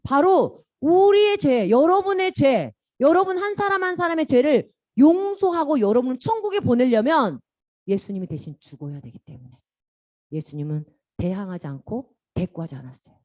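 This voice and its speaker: A woman giving a children's sermon, telling the story with lively questions to the children and dropping soft and low at the ends of phrases. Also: normal speed, no echo. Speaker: children's ministry teacher.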